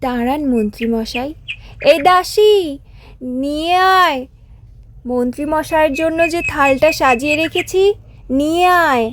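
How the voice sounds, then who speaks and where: A woman voicing a gracious, commanding fairy-tale queen in an animated story. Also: high-pitched, measured pace, long pauses, no room sound, pitched above the performer's own voice.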